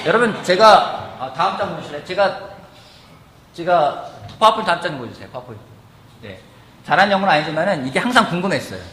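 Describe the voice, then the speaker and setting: A man preaching a sermon in a church, asking the congregation questions and acting out quotes in a lively way. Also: fairly high pitch, quick pace. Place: church sanctuary. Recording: echoey church hall with faint ambience.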